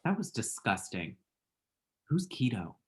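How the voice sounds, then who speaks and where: A man's voice: lowish voice, very animated, a little slow. A man acting a flamboyant, chatty young gay man with a theatrical, sassy delivery in a comedy table read. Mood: playful.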